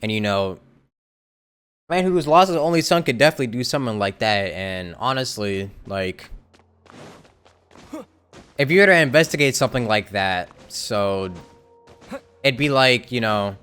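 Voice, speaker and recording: A man's voice: mid-range voice, expressive, moderate pace, pauses often, fairly bright tone, clear, resonant tone. A man streaming a video game, reacting and commenting casually with informal, mildly profane language. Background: game music.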